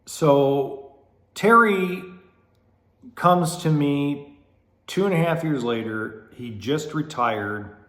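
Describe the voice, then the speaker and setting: A man's voice: a little high, slow, pauses often, fairly bright tone, reverberant. A middle-aged man hosting a podcast, telling a story in a loose, rambling way, with a stuffy, congested voice from a cold. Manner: chatty, rambling, with fillers and restarts. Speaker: podcast host.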